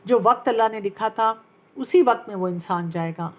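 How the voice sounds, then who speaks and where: A woman, a pediatrician and parenting coach, gently explaining how to heal from trauma and slipping English terms into her speech. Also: mid-range voice. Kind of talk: Islamic-based talk on healing from trauma.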